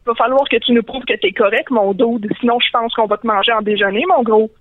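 A woman with a Quebec French accent voicing a menacing, conspiracy-crazed Gollum-like cave creature that coughs out a croaking catchword, heard over a tinny phone line. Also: on the high side, fairly even intonation, fairly quick, no room sound, natural voice. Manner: threatening, slangy, suspicious.

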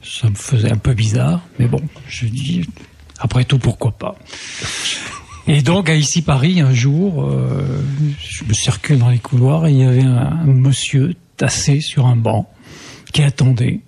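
An older male journalist tells old stories on a radio talk show. His voice is gravelly and a little husky, and he talks in a relaxed, reminiscing way with frequent restarts. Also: medium pitch, measured pace. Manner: reminiscing, with restarts and small laughs. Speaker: journalist guest. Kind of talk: casual radio chat, telling anecdotes.

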